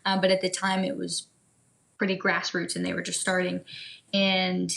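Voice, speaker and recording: A woman guest on a podcast, talking in a relaxed, thoughtful way with frequent fillers. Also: lowish voice, moderate pace, gravelly. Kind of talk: casual conversation.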